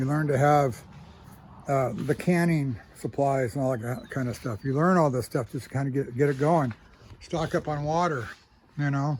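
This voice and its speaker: A man with an American accent, somewhat breathy and fairly high in pitch, at a moderate pace with ordinary pitch variation. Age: 60s. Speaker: homesteading vlogger. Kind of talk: casual vlog monologue. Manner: hesitant, with fillers.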